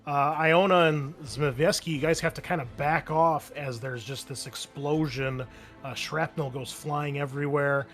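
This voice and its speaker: A man's voice: a little high, steady tone, moderate pace. Man game master explaining over music. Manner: conversational, explanatory. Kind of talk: improvised narration of a tabletop game.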